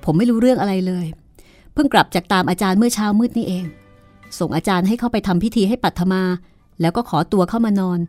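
A woman's voice: mid-range voice, quick pace, a little mellow, dry recording, faint music behind, natural voice. A woman reading an audiobook, voicing a harried, defensive young man in a horror story. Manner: flustered, exasperated pleading.

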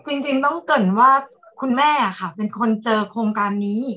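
A woman's voice: a little high, brisk, sharp tone. Chatty mother in a roomy, distant recording. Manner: chatty, explanatory, ends phrases with polite particles. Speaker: homeschooling mother, guest. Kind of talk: casual interview talk. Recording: roomy sound from a distant mic.

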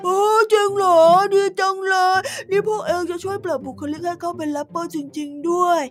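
A woman's voice: very high-pitched, a little fast. A woman voicing a plump, cheerful male friend who dreams of rapping, in a children's radio drama. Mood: puzzled. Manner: eager, sing-song rapping. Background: background music.

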